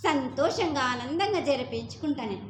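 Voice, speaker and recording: A woman's voice: high voice, lively intonation, moderate pace, background noise. A woman delivering a ritual prophecy as an oracle, declaiming in short incantatory phrases in a prophetic trance voice. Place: echoing temple festival ceremony. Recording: echoey sound with music behind.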